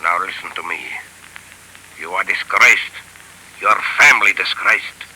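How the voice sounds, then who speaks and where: A man's voice: low-pitched, a little slow, bright, forceful tone, husky, full character voice, poor audio. An actor playing a menacing foreign professor who hypnotizes his victims, in 1930s radio drama style. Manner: commanding, menacing hypnotic orders.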